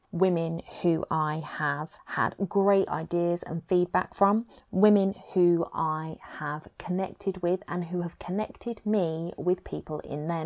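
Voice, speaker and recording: A woman with an English accent hosting a scripted advice podcast in a tidy, measured way, setting out points clearly. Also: fairly low pitch, a little mellow. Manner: tidy, measured, numbered-tip delivery. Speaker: podcast host.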